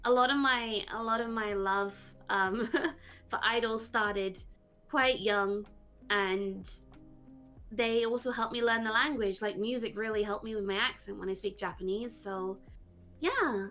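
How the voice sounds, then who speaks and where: A woman VTuber being interviewed, talking casually and haltingly with lots of fillers. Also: mid-range voice, steady tone, bright, forceful tone, faint music behind. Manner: rambling, halting, many fillers. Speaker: VTuber guest.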